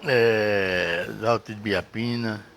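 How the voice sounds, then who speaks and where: Older man, halting storyteller. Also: fairly low pitch, steady tone, a bit bright, slight background noise. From Brazil. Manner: halting, searching for names, chuckling. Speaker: guest doctor. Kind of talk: casual reminiscing conversation.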